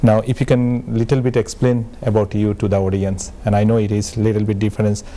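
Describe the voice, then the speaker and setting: A man hosting a studio talk show in English with a Bangladeshi accent, speaking haltingly with many fillers and restarts. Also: lowish voice, little pitch movement, mellow. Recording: faint background noise.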